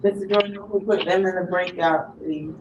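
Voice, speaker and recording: A woman's voice: fairly low pitch, fairly even intonation, echoey room, dull audio. Formal woman judge, from a distance. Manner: brisk, formal questioning. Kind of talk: courtroom plea hearing. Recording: distant mic with faint noise.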